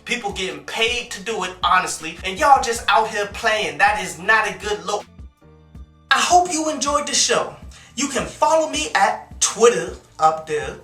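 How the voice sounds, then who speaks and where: A young man with a high, bright voice hosts a casual music review, speaking in a relaxed way full of "man" and "and such." He sounds a little away from the mic in a roomy, echoing space. Faint music plays underneath him. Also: a little slow, far from the mic. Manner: laid-back, peppers talk with "man" and "and such". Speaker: music reviewer and show host. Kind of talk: casual vlog-style commentary.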